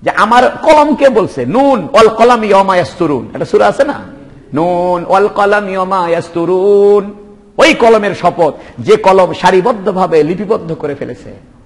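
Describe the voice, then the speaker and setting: High-pitched impassioned preacher. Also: male voice, sing-song, normal speed, big-room sound. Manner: impassioned, rhetorical questions, repeated exclamations of praise. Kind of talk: Bengali waz sermon.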